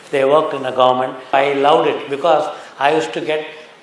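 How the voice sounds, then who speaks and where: Amid noticeable background noise and audible room echo, a man talks at a fairly quick pace in a fairly high, flat, monotone voice. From South India, Tamil Nadu. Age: 60s. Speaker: eye surgeon. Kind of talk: conference talk. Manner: halting.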